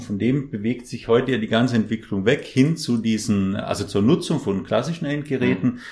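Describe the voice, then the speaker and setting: Talking at a fairly quick pace, this is a man. He has a South Tyrolean accent. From South Tyrol, Italy. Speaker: professor. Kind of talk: interview.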